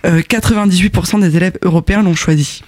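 A man's voice: high-pitched, steady tone, quick pace, dry recording. A man hosting an explainer video, playful and wry, laughing often. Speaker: host.

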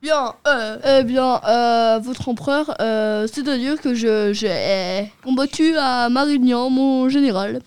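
A woman plays a timid old uncle in a soldier's uniform, hesitant and stumbling as he talks. The voice is slow, high and smooth, recorded dry and close. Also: darkish tone, no echo. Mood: flustered. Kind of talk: storybook character voice.

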